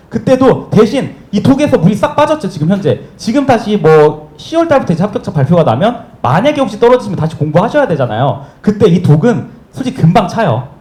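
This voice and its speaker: A man with a high voice speaks at a fairly quick pace with hardly any pauses. His pitch swings very widely over noticeable background noise. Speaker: customs broker and exam lecturer. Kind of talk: exam prep information session. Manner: fast.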